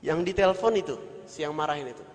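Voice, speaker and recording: A man's voice: a little high, animated, fast, big-room sound. A man preaching a sermon, recounting his own childhood stories before he turns to exhorting his listeners. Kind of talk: storytelling sermon.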